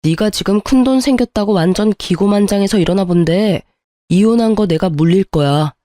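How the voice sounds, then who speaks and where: A bitter, grasping ex-husband who keeps accusing and defending himself, as a woman reader puts him on. The voice is mellow and low-key, and the recording is dry and close with no room sound. It is the dialogue of a read-aloud story. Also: normal speed, dry recording, natural voice. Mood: indignant. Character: bitter greedy ex-husband, adult man. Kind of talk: storybook narration with acted dialogue.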